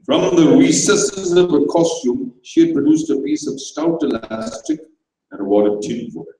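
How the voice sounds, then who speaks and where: A man's voice: sits high, normal speed, gravelly. Man narrating from far off in an echoey hall. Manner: expressive storytelling. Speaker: reader. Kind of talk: dramatized reading of a comic short story. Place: festival stage in a hall.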